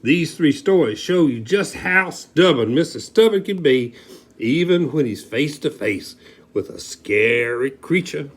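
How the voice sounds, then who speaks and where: A man narrates a children's storybook dramatically, on the high side and very lively in pitch. He takes it slowly, leaning on key words and sometimes stumbling and starting again. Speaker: storyteller reading a children's book aloud with a partner.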